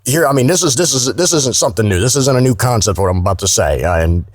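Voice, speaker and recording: A man's voice: mid-range voice, lively intonation, fast talker, dry recording, clean studio sound. A man with a Southern US accent chatting casually as a podcast guest, folksy, colloquial and salty in his wording. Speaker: guest, voice-over artist.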